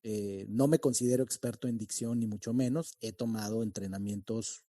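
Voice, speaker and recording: A man from Mexico City with a neutral Mexican accent, hosting a podcast interview and talking in a reflective, halting way with many restarts. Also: fairly low pitch, steady tone, dark tone, dry recording, studio quality. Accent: neutral Mexican Spanish. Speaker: podcast host.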